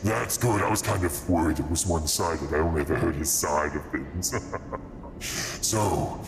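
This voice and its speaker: A man's voice: a bass voice, normal speed, reverberant, noisy background. An actor playing a crude, teasing, irreverent man in an audio drama, rambling along playfully. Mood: amused, prying.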